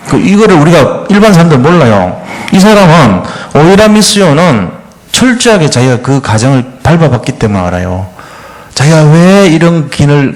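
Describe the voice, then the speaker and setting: A man preaches in a church with a lively voice that rises and falls widely. His tone stays conversational, and he often plays the parents and children he quotes. This is an animated, expressive sermon delivery. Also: medium pitch. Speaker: pastor. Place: church sanctuary.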